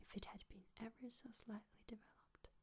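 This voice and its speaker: The speaker whispers at a moderate pace. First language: not English. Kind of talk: soft-spoken audiobook reading for sleep. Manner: soft-spoken, calming.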